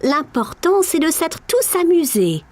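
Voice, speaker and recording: A caring young cartoon mother, soothing and high-voiced. She speaks very slowly, with a lilting, expressive melody. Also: slight background noise, full character voice. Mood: sympathetic. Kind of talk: animated children's cartoon dialogue.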